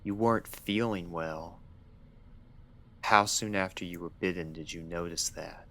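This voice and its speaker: Man playing a deep, detached pony doctor. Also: unhurried. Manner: flat, detached questioning. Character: clinical, uncaring male pony doctor, probing and detached. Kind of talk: dramatic fan fiction audio reading.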